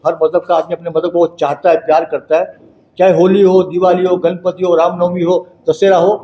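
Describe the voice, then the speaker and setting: A man's voice: sits high, little pitch movement, a little fast, highs cut off. A man answering reporters at a press conference, explaining his objection emphatically. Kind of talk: impromptu explanation.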